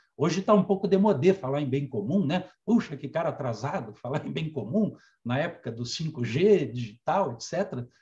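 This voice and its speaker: With hardly any pauses, a man with a fairly high pitch speaks in a dark, mellow tone that is somewhat breathy, his pitch swinging very widely. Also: moderate pace. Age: 60s. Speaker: high court judge. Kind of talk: lecture.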